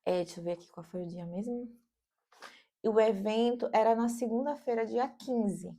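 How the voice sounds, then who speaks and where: A Brazilian vlogger in her thirties talks from her home office in a casual, animated way, with a Brazilian Portuguese accent and plenty of fillers. Her voice is fairly high and her pace moderate.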